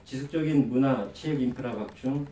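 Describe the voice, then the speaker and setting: A man with a head cold gives a formal, measured press briefing as a government official, reading out official plans. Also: medium pitch, warm tone. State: has a lingering cold. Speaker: government official, city bureau director. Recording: roomy distant microphone, faint background noise.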